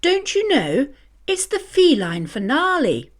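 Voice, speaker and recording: A sneaky but friendly little boy bloodhound from a storybook, voiced by a woman. He talks in a high, lively, matter-of-fact way, breezy and sure of himself. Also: takes it slowly, full character voice. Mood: breezy, inviting. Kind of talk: children's storybook character voice.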